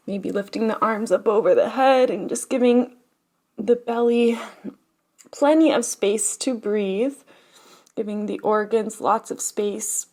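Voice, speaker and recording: Gentle woman guiding a slow meditation. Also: medium pitch. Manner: gentle, unhurried, soothing, with long pauses. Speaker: meditation teacher. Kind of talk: guided meditation.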